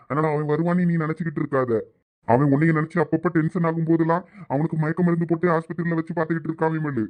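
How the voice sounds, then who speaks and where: A man's voice: a little high, natural voice. A man voicing a scheming male villain in a cartoon, gloating and menacing, with a Thoothukudi Tamil accent. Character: scheming male villain holding a woman captive.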